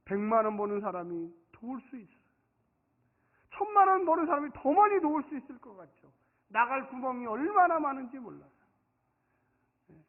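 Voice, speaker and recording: A man's voice: extremely high pitch, very animated, moderate pace, pauses often. Man, middle-aged pastor, Daejeon accent, dramatic storyteller, thin phone-like sound. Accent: Daejeon region Korean. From South Korea. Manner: dramatic, storytelling, swings from quiet to shouting. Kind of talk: sermon. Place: church sanctuary. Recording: tinny, phone-like sound with long hall reverb.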